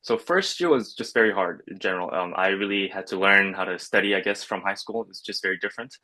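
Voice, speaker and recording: A man's voice: deep voice, fast talker, sharp tone. A young man, a nursing student, answering hesitantly with many fillers on a video call from a bedroom. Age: young adult. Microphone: video call webcam.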